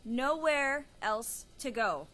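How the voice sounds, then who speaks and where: Woman acting as a blunt, high-voiced young survivor. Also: lively intonation, slow, bright, forceful tone, exaggerated voice. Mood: tense, impatient. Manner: blunt, commanding. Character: tough, curt, bossy young female zombie-apocalypse survivor. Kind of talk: amateur horror radio drama acting. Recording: noisy amateur radio drama recording.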